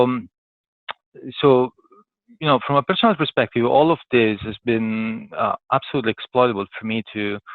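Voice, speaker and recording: A man with a fairly low voice and an Italian accent, from Italy, appears as a podcast guest and corporate professional. Answering interview questions in a chatty way, he hesitates and thinks aloud in broken phrases, heard through thin, phone-like call audio with no room sound.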